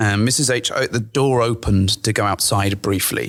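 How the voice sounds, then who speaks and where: A man talks with a British accent. His pitch is medium. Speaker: podcast co-host. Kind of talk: casual chat. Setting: recording at a podcast convention.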